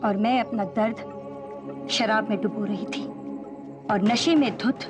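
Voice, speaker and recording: An actress in a TV melodrama playing a bitter woman who makes deliberate, dramatic accusations. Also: mid-range voice, close to an everyday voice. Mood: anguished, bitter. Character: bitter, accusing woman blaming a rival for her brother's death. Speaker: actor in a TV serial. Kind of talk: Hindi TV melodrama acting. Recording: TV drama with prominent background music.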